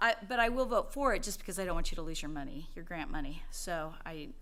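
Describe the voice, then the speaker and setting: A woman talks very fast, with audible room echo around her voice. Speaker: city council member. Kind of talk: council meeting discussion. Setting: council meeting room. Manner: halting.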